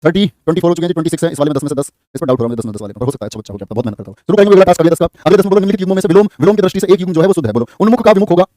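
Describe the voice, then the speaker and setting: A man teaching a Hindi exam-prep class online, drilling questions briskly and teasing his students. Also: on the high side, expressive, mellow, no echo, studio quality.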